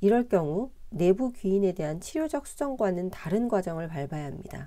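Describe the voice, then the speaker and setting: On a very clean recording with a silent background, a woman with a dark, mellow tone speaks fairly slowly, her pitch swinging very widely. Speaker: book-reading YouTuber, former fashion designer. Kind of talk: nonfiction book reading aloud.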